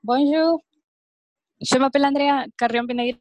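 A woman's voice: sits high, fairly even intonation, moderate pace, a little mellow, dry recording. A woman in her twenties from Mexico, a law student guest, speaking careful, hesitant learner's French. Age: 20s.

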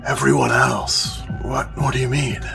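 A man playing a grim, guarded paladin survivor in an actual play audio drama, terse and deliberate with a gravelly voice. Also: medium pitch, little pitch movement. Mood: commanding, puzzled. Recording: loud music bed behind the voice.

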